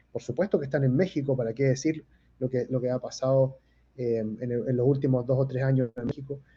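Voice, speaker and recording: A man with a Chilean accent speaks at a fairly quick pace. His voice is somewhat breathy, with fairly even intonation. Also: medium pitch for a man. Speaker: activist for democracy in Cuba. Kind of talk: webinar talk. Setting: online webinar.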